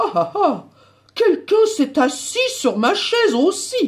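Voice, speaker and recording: A woman uses a put-on character voice at an extremely high pitch. Her pitch swings very widely at a fairly slow pace. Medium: read story.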